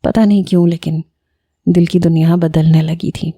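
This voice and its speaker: A woman reading a first-person romance story in a calm, measured manner. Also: fairly low pitch, slightly rough.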